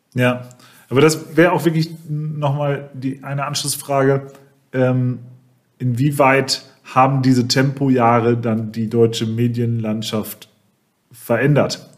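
A man at medium pitch, very slow in pace, with fairly even intonation. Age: 40. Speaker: podcast co-host. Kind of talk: interview. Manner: hesitant, many fillers.

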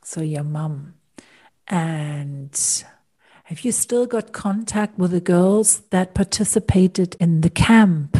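Somewhat breathy and dark, mellow in tone, the voice moves at a very slow pace over a quiet background. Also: woman, fairly low pitch for a woman, ordinary pitch variation, dry, close sound with no echo. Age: 50s. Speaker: podcast host, business coach. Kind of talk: interview.

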